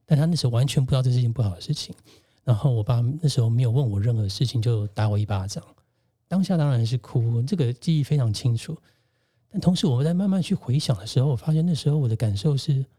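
A man, a podcast guest and co-host gently telling a personal story in casual conversation. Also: mid-range voice. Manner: reflective, gentle, recounts childhood memories.

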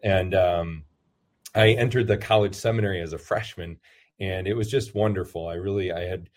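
Low-voiced male priest, interview guest, rambling and self-deprecating, lots of ums. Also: steady tone, moderate pace. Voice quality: lower voice. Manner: rambling, self-deprecating, many fillers and restarts. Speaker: priest and football chaplain. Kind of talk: casual interview answers.

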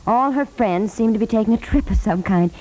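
A woman playing a patient, practical expectant wife and mother in a 1950s radio comedy, reasoning and gently correcting. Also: a little high, brisk, natural voice, rough recording. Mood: polite, explaining. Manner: reasonable, gently correcting, calls husband dear. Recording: vintage 1950s network radio recording.

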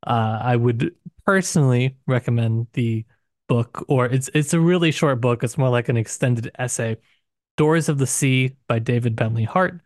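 Speaking at a moderate pace in a slightly mellow mid-range voice, a podcast co-host discusses books in a relaxed, thoughtful way, often adding caveats. Studio quality, with no room sound.

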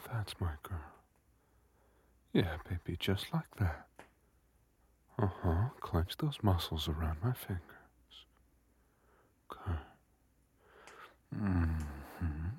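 A man whispering a slow, coaxing intimate audio roleplay in a soft, breathy voice. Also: deep voice, no echo.

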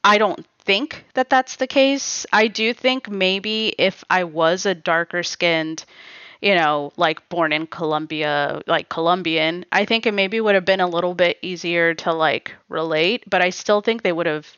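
A woman speaking as a guest in a relaxed conversation, reflective and full of "you know" and "like." Her voice sits low and smooth. The recording is close and dry but a little dull and muffled. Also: unhurried, no room sound. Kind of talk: casual personal conversation.

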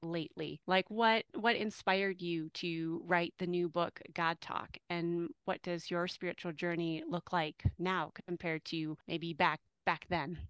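A woman hosting an interview in a conversational style, speaking earnestly and a little haltingly. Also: on the low side, level tone, a bit bright, clean tone, no room sound. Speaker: interview host.

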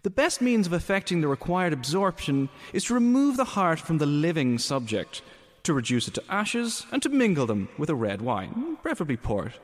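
Male actor as murderous Georgian scholar, audio drama, formal, deliberate, lively melodic delivery, cavernous reverb. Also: on the high side. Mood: cold, methodical. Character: coldly murderous, pompous gentleman scholar of the early 1800s. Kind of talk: audio drama monologue, reading a written confession. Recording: long reverb with music.

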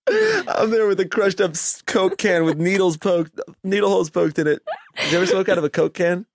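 A man's voice: sits high, big pitch swings, a little fast, gravelly, no room sound, clean studio sound. A man in his late twenties co-hosting a podcast in casual chat, laid-back, swearing freely and laughing often. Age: late 20s. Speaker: podcast co-host.

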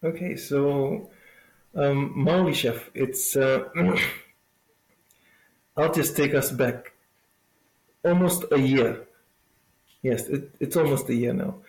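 A man with a Fijian accent talks as an interview guest at a very unhurried pace, pausing often to think. His pitch sits in the middle for a man, and the room around him adds noticeable echo. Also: gravelly, a little mellow. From Fiji. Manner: halting, thoughtful, with frequent pauses. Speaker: interview guest, plant-based food business owner. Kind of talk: conversational interview answer. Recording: roomy, echoing sound.

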